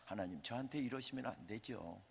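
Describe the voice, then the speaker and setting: A man's voice: medium pitch, brisk, gravelly, slight background noise, voice pushed down, natural voice. A man, preaching, voices an aging male prophet earnestly pleading with God in a reverberant church sanctuary.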